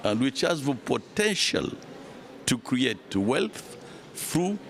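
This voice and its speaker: A man with a heavily creaky voice speaks slowly at a live panel, with faint noise behind him. His remarks are deliberate and come in short broken phrases. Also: mid-range voice, sing-song. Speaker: panelist, envoy.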